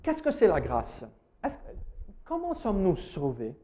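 Speaking unhurriedly in a church hall, the American pastor has a high, dark-toned voice with huge pitch swings. His sermon is hesitant and packed with fillers, and he puts questions to those listening.

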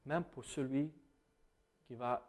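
A man's voice: mid-range voice, takes it slowly. A man with an American accent, preaching a conversational sermon with many hesitations and self-corrections. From United States.

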